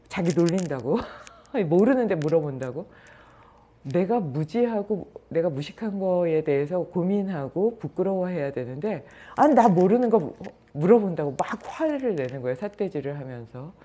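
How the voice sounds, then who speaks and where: Woman teacher, mellow and husky, animated lecturer who chuckles between points. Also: on the low side. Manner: animated storyteller who acts out everyday examples. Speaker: yoga and meditation teacher. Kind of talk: spoken lecture.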